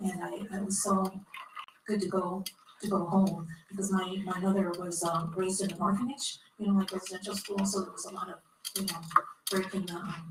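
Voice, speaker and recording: The speaker has an American accent and a monotone, flat intonation, talking at a fairly quick pace with long, frequent pauses. Noticeable background noise is present. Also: woman, medium pitch for a woman, big swings in loudness. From US Pacific Northwest, Seattle. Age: 70s. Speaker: panelist, elder. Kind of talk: panel introduction. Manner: halting, many fillers.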